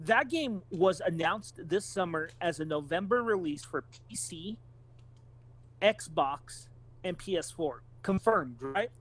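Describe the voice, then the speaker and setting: High-voiced man on a gaming podcast. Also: animated, takes it slowly, fairly bright tone. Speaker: podcast co-host. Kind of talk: casual gaming podcast chat.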